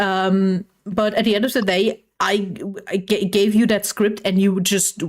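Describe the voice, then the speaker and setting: Someone with a German accent speaks at a fairly slow pace using fairly even intonation. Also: woman. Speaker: vtuber streamer. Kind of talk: casual chat.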